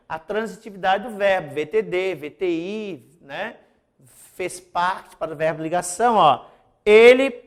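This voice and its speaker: A Brazilian woman teacher going through exam questions, asking and answering her own questions and often tagging "né?". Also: mid-range voice. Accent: Brazilian Portuguese.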